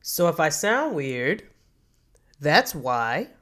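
A woman's voice: sits low, sing-song, very slow, fairly bright tone. A woman in her thirties with a nasal, stuffed-up voice from a cold, talking enthusiastically and chattily as a podcast host. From Kentucky, US. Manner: enthusiastic, chatty, self-correcting. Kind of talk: solo podcast monologue.

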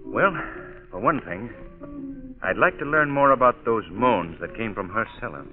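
An actor playing a composed, inquisitive gentleman investigator, polite and measured, in an old radio drama. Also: mid-range voice, lively intonation, faint music behind, lightly acted. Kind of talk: 1940s radio acting. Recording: tinny old radio, crowd murmur behind.

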